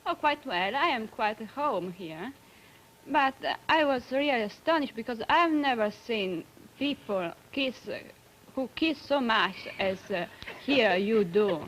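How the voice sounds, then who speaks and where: A teenage woman with an Italian accent speaks in a slightly raised voice. She pauses often as she searches for her words on a student panel. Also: a little high, animated, fairly bright tone, slight background noise, poor audio. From Italy. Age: late teens.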